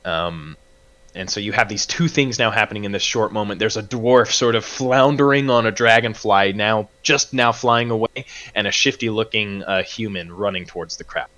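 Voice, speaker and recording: Relaxed man narrating as game master. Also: fairly low pitch, normal speed, highs cut off. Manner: relaxed, many fillers and restarts.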